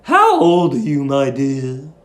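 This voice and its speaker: A man's voice: medium pitch, wildly swooping pitch. A man voicing a middle-aged English landlady who is sugary, fussing and eerily attentive, cooing theatrically in a storybook reading. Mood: sweetly eerie. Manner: cooing, theatrical, drawn-out exclamations. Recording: roomy echo.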